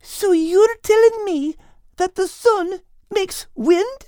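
A man's voice: very high voice, slow, mellow, no echo, clean studio sound, voice pushed up. A man voicing an eager, curious young female animal who keeps asking questions in a children's story.

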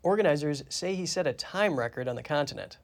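A male news anchor reads his script in a steady, clear manner. His voice sits a little higher than most men's. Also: fast, noisy background.

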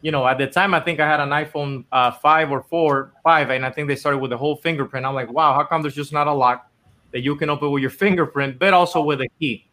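Bright, earnest man telling his story. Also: fairly high pitch, steady tone, fast talker. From Dominican Republic. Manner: earnest, rambling with many fillers. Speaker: company founder, guest. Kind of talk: casual interview storytelling.

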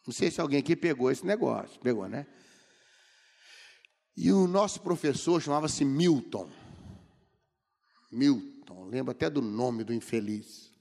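Gravelly Brazilian preacher in echoing hall. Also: male voice, medium pitch, animated, unhurried, pauses often, a little mellow. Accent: Brazilian Portuguese. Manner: humorous storytelling, acting out the people he quotes. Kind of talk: sermon. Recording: long reverb of a large hall.

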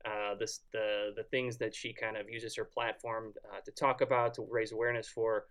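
Ohio-accented male podcast co-host, bright tone, chatty and filler-heavy. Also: on the low side, little pitch movement, moderate pace, smooth. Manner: rambling, warm praise with many fillers. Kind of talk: casual podcast chat.

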